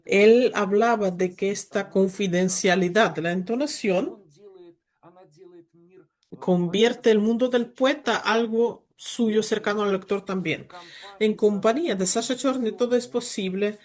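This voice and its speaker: A man giving a literature lecture over a video call, explaining in a measured way with occasional halting restarts. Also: sits high, a little mellow. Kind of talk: academic lecture.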